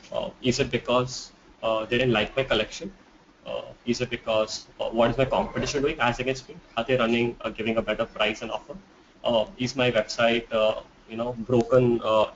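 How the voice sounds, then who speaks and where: A man's voice: medium pitch, dull audio, slight background noise. A man answering webinar questions as an expert, explaining with examples and rhetorical questions. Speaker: marketing expert panelist.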